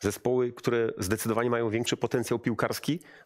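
Someone with a Polish accent talks at a very fast pace. The background is quiet. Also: man. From Poland. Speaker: football coach. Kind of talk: casual chat. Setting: studio. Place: studio. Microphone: headset.

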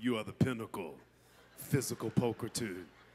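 A man puts on a character voice at a medium pitch, moving at a fairly quick pace. His pitch varies in an ordinary way over light background noise. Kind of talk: sermon. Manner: cool, smooth, romantic.

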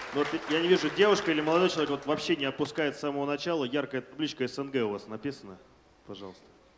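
Crowd noise fills the background as a man talks at a very fast pace with ordinary pitch variation. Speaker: forum moderator. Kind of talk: event moderation. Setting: stage with audience. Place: hall. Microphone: handheld.

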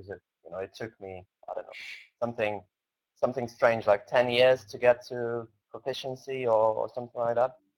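Against a quiet background, a man with a non-native accent talks at a fairly quick pace. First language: not English. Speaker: webinar host. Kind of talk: webinar hosting. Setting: online live webinar. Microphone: video call.

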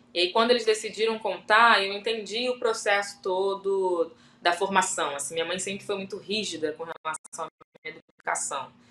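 Heard with audible room echo, a woman of medium pitch uses a bright, sharp tone, ordinary pitch variation, a moderate pace and big swings in loudness. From Rio de Janeiro, northern suburbs (Brás de Pina); Rio de Janeiro. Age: 30s. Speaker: actress, dancer and activist; actress. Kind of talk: interview. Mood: reflective, calm. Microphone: video call.

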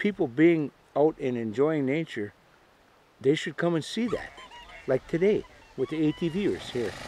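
A man with an Upper Peninsula Michigan accent talks at a fairly slow pace with a fairly high pitch and lively intonation, the sound dry with no echo. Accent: Upper Midwest (Yooper). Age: 70s. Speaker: hunting camp owner. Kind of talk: documentary interview. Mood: nostalgic, earnest. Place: open country.

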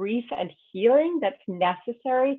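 The woman talks at a moderate pace, and the background is quiet. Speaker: presenter. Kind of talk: conference presentation. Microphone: video call.

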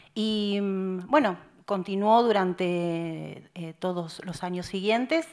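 The woman speaks with ordinary pitch variation. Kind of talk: panel talk. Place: hall. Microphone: handheld.

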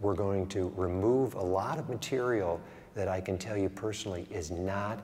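In an American accent, a man speaks at a moderate pace with a very deep, low pitch, a dark, mellow tone and ordinary pitch variation. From United States. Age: 60s. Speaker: craniosacral therapy teacher. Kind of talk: interview. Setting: hotel room. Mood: calm, warm. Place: home room.

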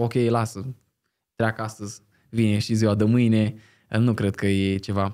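A man's fairly low, monotone, flat voice with a dark, mellow tone, a fairly slow pace and long, frequent pauses. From Romania, Bihor (village near Oradea). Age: 20s. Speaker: content creator. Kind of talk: casual chat.

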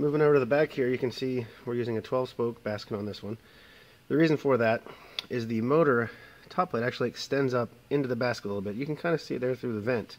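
Pitch variation is ordinary as a man speaks. He talks at a very fast pace. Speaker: car audio product designer. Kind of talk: product demo talk. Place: workshop. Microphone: phone near.

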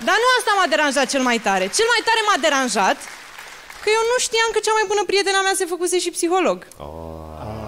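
Against crowd noise in the background, a woman with an extremely high pitch talks at a fairly quick pace with very wide pitch swings. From Romania, Banat; Romania. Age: 20s. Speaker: stand-up comedian. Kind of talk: stand-up. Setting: stage with audience. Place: stage. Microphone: handheld.

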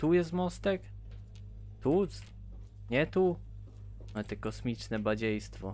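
Over faint background music, a man delivers his words fairly slowly. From Poland. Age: 20s. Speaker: gaming youtuber. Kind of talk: let's play commentary. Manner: casual, animated. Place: home room. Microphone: headset.

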